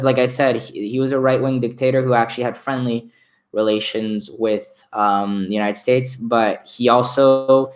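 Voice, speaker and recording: A young man from Venezuela, a native Spanish speaker, talking casually on a home livestream with many restarts and fillers. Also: mid-range voice. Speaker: live stream host. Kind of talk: casual history livestream talk.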